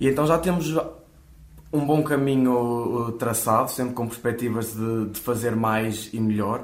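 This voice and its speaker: A man talks at a fairly slow pace in an ordinary speaking voice. His pitch is medium and his intonation fairly even. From Portugal, Oliveira de Azeméis area. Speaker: university student. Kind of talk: radio interview.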